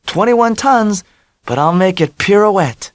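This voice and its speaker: A bubbly, breezy young blonde woman, as a male narrator puts her on, raised well above his own low voice. She sounds confident and carefree in an audiobook reading. The sound is dry and close. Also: animated, slow, no echo.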